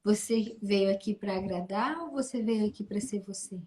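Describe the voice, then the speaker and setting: Brazilian woman therapist host, mid-pitched voice, direct and encouraging, on a call. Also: moderate pace, mellow, a little hiss or hum. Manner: direct, encouraging, asks pointed questions. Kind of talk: therapeutic conversation.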